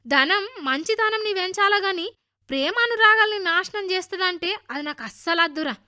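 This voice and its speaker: A woman's voice: extremely high pitch, lively intonation, moderate pace, sharp tone, pitched above the performer's own voice, heavily acted. A woman voicing an honest, caring village boy with a Telangana accent who speaks earnestly in a children's radio story. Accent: Telangana Telugu. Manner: earnest, pleading.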